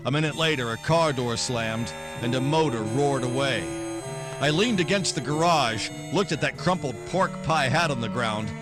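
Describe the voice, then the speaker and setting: A man's voice: medium pitch, normal speed, over music, close to an everyday voice. A man playing a tough, sardonic private detective in 1940s noir radio style, with clipped, threatening wisecracks. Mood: tense narration. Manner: clipped wisecracking, hard-edged delivery. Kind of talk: 1940s noir radio drama acting, first-person narration.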